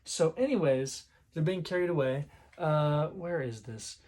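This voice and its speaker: A man retelling a manga chapter in casual commentary, rambling with many fillers and clearing a sore throat now and then. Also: a little high, measured pace, a little mellow. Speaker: manga reviewer.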